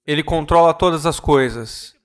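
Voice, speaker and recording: A man interpreting a ministry talk at a church conference, earnest and measured, sometimes correcting himself mid-word. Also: on the high side.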